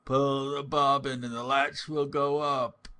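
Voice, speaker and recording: A man voicing a large, hungry, wicked wolf who speaks slowly and slyly, with a falsely gentle tone, in a storybook reading. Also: medium pitch, little pitch movement, pitched above the performer's own voice. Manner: slow, sly, falsely gentle.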